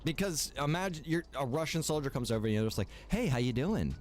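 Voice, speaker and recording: A man's voice: a little high, lively intonation, fast talker, darkish tone, soft background music. A man streaming a game, chatting casually with viewers, rambling and joking as he plays. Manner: rambling and joking, chats to viewers and reacts while playing.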